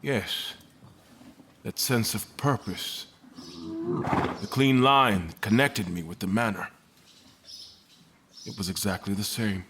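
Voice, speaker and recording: Captive in an audio drama. Lowish, halting, scared and wary, plainspoken, some background noise. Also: male voice, big pitch swings, fairly bright tone, full character voice. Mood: shaken, halting. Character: frightened, confused captive man, wary and defiant.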